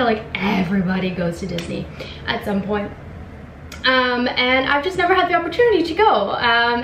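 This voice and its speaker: A woman's voice: on the high side, a bit bright, echoey room, slight background noise, low-quality recording. A young woman from Venezuela chatting casually to camera as a lifestyle vlogger, upbeat with many fillers, in her apartment. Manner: chatty, lots of ums and likes, upbeat. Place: bright apartment room, indoors. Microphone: camera in front at desk.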